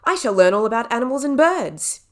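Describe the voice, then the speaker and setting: A woman voicing eager, excited young children from a storybook, bubbly and exclaiming. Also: fairly high pitch, a little fast, voice pushed up. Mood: eager, hopeful.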